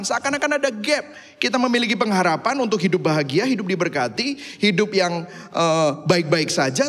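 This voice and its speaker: A man with a Surabaya accent talks at a fairly quick pace with very wide pitch swings. Noticeable background noise runs under his voice. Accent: Javanese-accented Indonesian (Surabaya medok). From Indonesia, Surabaya (East Java). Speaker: pastor. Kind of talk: sermon. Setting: church.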